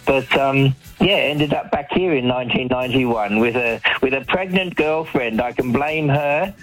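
A man's voice: medium pitch, normal speed, soft background music, rough recording. Chatty male storyteller calling in. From Australia. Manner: chatty, anecdotal, with frequent ums and restarts. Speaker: caller, professional storyteller. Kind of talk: telling his life story on a radio phone-in.

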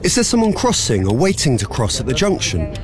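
A man reading a public road safety message in a calm, measured way. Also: medium pitch, crowd noise. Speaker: public service announcer. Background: car and traffic noise.

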